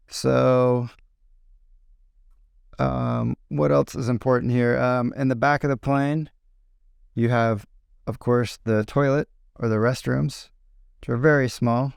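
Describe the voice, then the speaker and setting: A man, an English teacher and podcast host, giving a casual spoken lesson, explaining slowly with examples. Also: medium pitch, gravelly, darkish tone, clean tone, dry recording, clean studio sound. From California.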